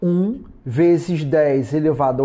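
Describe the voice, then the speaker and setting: A man talks with lively intonation. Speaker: chemistry teacher. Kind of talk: lecture.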